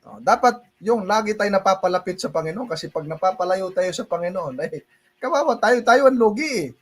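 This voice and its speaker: A man's voice: high voice, lively intonation, fairly quick. A man with a Filipino accent preaching a livestream sermon and answering viewer questions, switching between Tagalog and English and often laughing as he calls his listeners brothers and sisters. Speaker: pastor.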